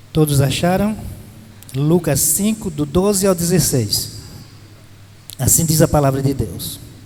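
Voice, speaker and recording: The speaker is soft-spoken, with ordinary pitch variation. The pace is fairly slow, with long, frequent pauses. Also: man, fairly high pitch for a man. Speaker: preacher. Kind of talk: sermon. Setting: church.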